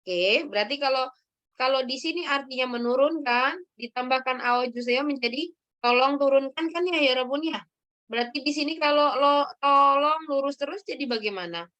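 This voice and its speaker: A woman teaching a language lesson, ending phrases with quick check-ins to her students. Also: sits high, a bit bright, muffled recording. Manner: tags sentences with "ya" and calls on students.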